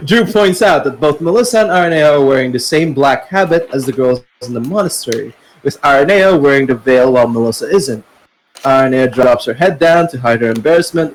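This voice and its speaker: A man's voice: mid-range voice, low-quality recording. A man narrating a web novel chapter aloud on a podcast, stumbling and correcting himself as he reads. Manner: narrates with frequent slips, self-corrections and laughter.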